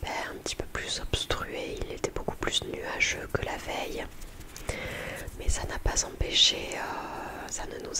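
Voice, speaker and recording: A whisper at a fairly slow pace, with noticeable background noise behind it. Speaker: ASMR creator. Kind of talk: ASMR whispered storytelling about a trip. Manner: whispered, soft-spoken, relaxing.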